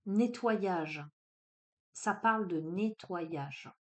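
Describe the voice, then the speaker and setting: A woman's voice: mid-range voice, a little slow. Woman with a southern French accent. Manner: hesitant, many fillers. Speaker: oracle card reader. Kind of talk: spiritual card reading.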